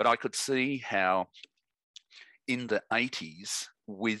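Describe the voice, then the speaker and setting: This man has a bright, sharp tone and an Australian accent, with ordinary pitch variation. The sound is dry and close with no echo, and the background is quiet. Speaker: history professor. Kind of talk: interview. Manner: halting.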